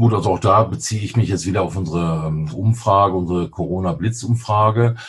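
Somewhat breathy and fairly low in pitch, a man speaks at a fairly quick pace with ordinary pitch variation against a quiet background. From Lower Rhine, Germany. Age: 40s. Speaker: roofing trade association president. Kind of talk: interview. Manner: hesitant, many fillers.

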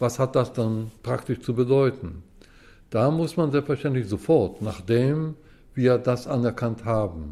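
A man speaks at a fairly slow pace with a medium pitch and a dark, mellow tone, somewhat breathy, with lively intonation. The recording is very clean, with a silent background. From Israel, Jerusalem. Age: 70s. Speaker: history professor. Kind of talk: interview.

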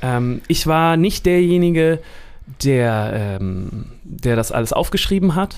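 A man talks very slowly at a fairly high pitch. His pitch swings very widely. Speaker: podcast co-host and band singer. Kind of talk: casual chat.

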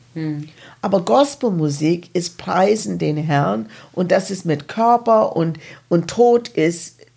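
With an English accent, a woman speaks in a fairly low voice with vocal fry and lively intonation. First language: English (speaking German). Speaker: opera singer and gospel choir leader. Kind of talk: interview. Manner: halting, many fillers.

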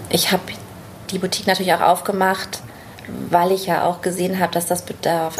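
A woman's fairly low voice at a very fast pace, with noticeable background noise. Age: 30s. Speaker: balloon decorator and shop owner. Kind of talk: casual interview. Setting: in her shop.

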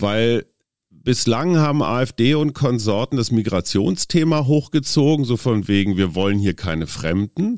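Speaking at a fairly slow pace, a man with a medium pitch uses lively intonation, the sound dry and close with no echo. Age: 50s. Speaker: political journalist. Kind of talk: interview. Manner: animated.

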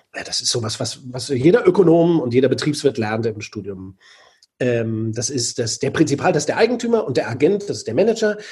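A man with a dark, mellow, somewhat breathy tone speaks at a fairly quick pace. His fairly high pitch moves in very wide swings, and his loudness rises and falls sharply. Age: 40s. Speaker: management author and consultant. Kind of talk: interview.

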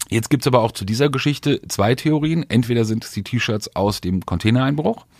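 With lively intonation and a moderate pace, a man is heard on a very clean recording with a silent background and a dry, close sound with no echo. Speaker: podcast host, former music journalist. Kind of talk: casual chat.

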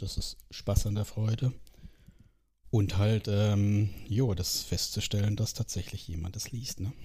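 The voice is somewhat breathy with a dark, mellow tone, fairly even intonation and a moderate pace. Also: man. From southern Germany. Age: 40s. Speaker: investment blogger, IT worker. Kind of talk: casual chat.

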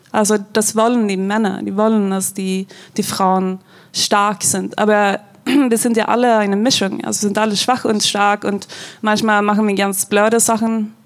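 A woman with a medium pitch talks fairly slowly, her intonation monotone and flat. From Sweden. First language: Swedish (speaking German). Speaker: film director. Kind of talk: live panel discussion. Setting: stage with audience at film festival.

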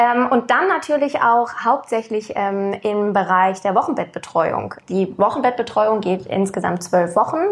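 Lively intonation from a woman with a fairly high pitch, a fairly slow pace and hardly any pauses, against noticeable background noise. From Heidelberg. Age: 20s. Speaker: midwife. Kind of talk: casual interview. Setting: kitchen at home.

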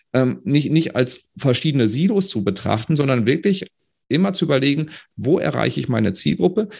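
Lively in intonation, a man speaks at a fairly quick pace in an unremarkable speaking voice. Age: 30s. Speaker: marketing agency executive. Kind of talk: interview conversation.

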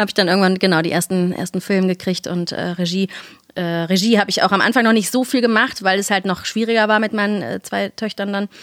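Speaking at a very fast pace, a woman with medium pitch keeps her intonation fairly even in a very clean recording with a silent background. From Germany, Cologne. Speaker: voice actress and dubbing director. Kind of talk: casual interview chat.

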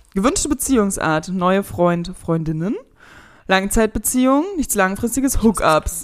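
This woman has a plain, everyday voice at a medium pitch. Her intonation is lively and her pace fairly slow. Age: 20s. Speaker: podcast co-host. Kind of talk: casual chat.

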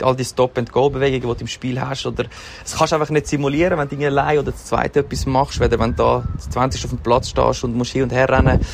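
Spoken very fast with a Zurich accent, the clip carries noticeable background noise. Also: man. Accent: Zurich Swiss German dialect. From Zurich, Switzerland. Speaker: professional footballer. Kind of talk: casual interview. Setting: Skype call.

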